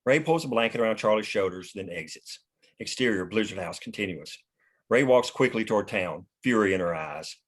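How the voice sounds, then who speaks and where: A man with a fairly low voice reads scene headings and action lines. His scripted narration is matter-of-fact, as at a screenplay table read. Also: lively intonation, fairly quick. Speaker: stage-direction narrator.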